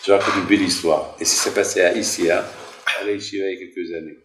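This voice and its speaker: A man's voice: low voice, steady tone, fast talker, fairly bright tone, a little hiss or hum. A man in his sixties, a rabbi telling a story in a sermon, repeating phrases for emphasis in a yeshiva hall. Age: 60s. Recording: roomy echoing hall.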